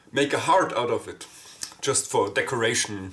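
Someone with a German accent speaks with lively intonation over noticeable background noise. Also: man. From Germany. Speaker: hobby blacksmith YouTuber. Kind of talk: voice-over narration of own video. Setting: recorded voice-over. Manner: hesitant, with fillers and laughs.

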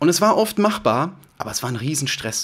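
Speaking at a fairly quick pace, a man delivers his words with lively intonation. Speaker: photography video creator. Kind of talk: casual vlog chat. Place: home room. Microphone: studio mic.

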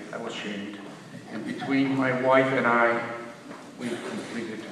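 A man speaks at a moderate pace. Room echo is audible, and there is noticeable background noise. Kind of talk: ceremonial speech. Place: hall. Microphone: camera far.

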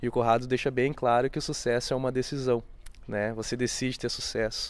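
A man speaks with monotone, flat intonation in a dry sound with no echo. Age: 30s. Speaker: employment agency worker; interview guest. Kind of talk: casual interview chat. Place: garden. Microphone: handheld.

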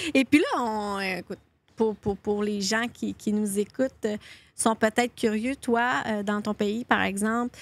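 On a very clean recording with a silent background and a dry, close sound with no echo, a woman with a fairly high pitch speaks at a fairly slow pace. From Quebec, La Tuque. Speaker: podcast host, newcomer integration coordinator. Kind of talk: casual interview. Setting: outdoors by a lake. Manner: slow, hesitant with many fillers.

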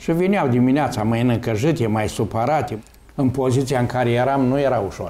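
A man's medium-pitched, dark and mellow voice at a moderate pace, with ordinary pitch variation and very even loudness. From Romania, Moldavia (Dumbrăveni, Suceava); Moldavia, Romania. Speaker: interview guest. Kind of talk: TV interview. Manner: rambling, conversational. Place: hall.

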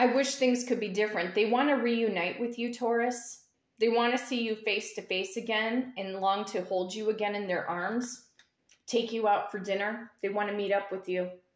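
Against a quiet background, a woman talks at a moderate pace with fairly even intonation and audible room echo. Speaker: tarot reader. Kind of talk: tarot reading commentary. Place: home room. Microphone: phone near.

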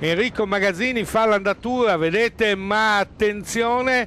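A man's raised, projected, high-pitched voice, animated, with a bright, sharp tone. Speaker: race commentator. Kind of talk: live sports commentary on a cycling race. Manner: animated, steady race-commentary pace, with frequent hesitant fillers.

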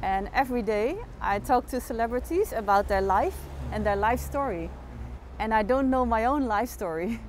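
A woman speaks at a fairly slow pace. The sound is dry with no echo, and there is light background noise. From Netherlands. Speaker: TV talk show host, adoptee. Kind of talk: interview soundbite. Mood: earnest, reflective. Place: street.

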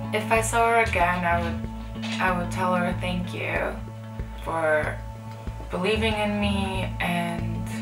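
Clear music runs in the background. A woman speaks at a very slow pace. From Poland. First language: Polish. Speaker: interviewee. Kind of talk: interview answer. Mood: warm, reflective storytelling. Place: home room.

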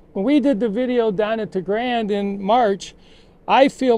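A high-pitched male voice with a dark, mellow tone and ordinary pitch variation, dry with no echo. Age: 70s. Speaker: golf coach. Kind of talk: tutorial. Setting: outdoors. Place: open country.

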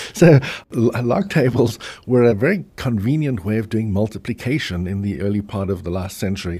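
In a South African accent, a voice with a dark, mellow tone moves at a moderate pace with lively intonation. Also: man, medium pitch for a man. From Cape Town, South Africa.

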